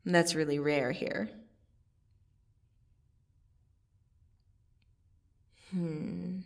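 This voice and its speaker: In an ASMR roleplay, a woman plays a female vampire assassin in a scripted dramatic monologue, her low voice gravelly and creaky with breathy dips toward a whisper. She speaks very slowly and deliberately, menacing yet intimate, teasing and curious, with a wistful softness beneath a steady tone. The recording sounds distant.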